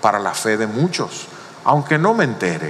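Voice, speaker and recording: Amid audible room echo and noticeable background noise, a man speaks at a fairly slow pace with very wide pitch swings. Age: 50s. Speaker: pastor. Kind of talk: sermon. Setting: church.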